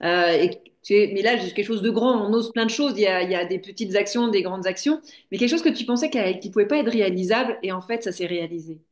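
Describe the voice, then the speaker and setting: A woman's voice: medium pitch, fast talker, few pauses. Woman host, roomy echo. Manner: curious, encouraging questions. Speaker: show host. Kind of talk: casual interview conversation.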